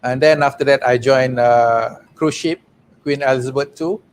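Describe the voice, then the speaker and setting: Male culinary lecturer, mid-pitched, hesitant and casual; faint background ambience. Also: steady tone, slight background noise. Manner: hesitant, halting with many fillers. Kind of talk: casual chat.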